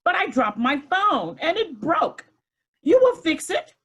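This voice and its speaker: A woman playing an arrogant, haughty businesswoman of fifty, demanding and disdainful, in an animated comedy table read. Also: very high voice, measured pace, full character voice. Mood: self-important, demanding. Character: arrogant disdainful fifty-year-old businesswoman, self-important.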